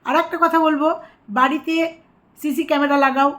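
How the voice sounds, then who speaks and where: A woman's voice: sits high, fairly even intonation, a little fast, fairly bright tone. A woman vlogger talking casually to her viewers, repeating her points as she gives advice.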